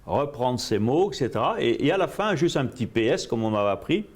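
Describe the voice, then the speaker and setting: Male guest coach, animated storyteller, repeats himself, drops English phrases. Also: medium pitch, a little fast. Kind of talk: storytelling interview.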